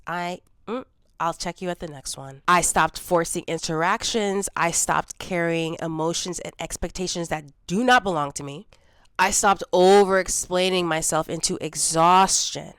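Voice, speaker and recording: Woman in her 40s, congested, candid low-energy vlog, lowish voice, smooth, dry close sound. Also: no echo. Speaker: vlogger. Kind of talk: reflective personal vlog.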